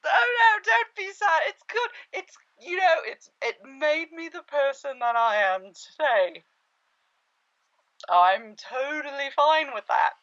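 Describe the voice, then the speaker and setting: A woman performs a plucky young scavenger for a cartoon spoof. Her voice is high and bright, a little muffled by the recording. She talks haltingly and self-effacingly, flustered but upbeat, like someone in casual conversation. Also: lively intonation, heavily acted. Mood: reassuring.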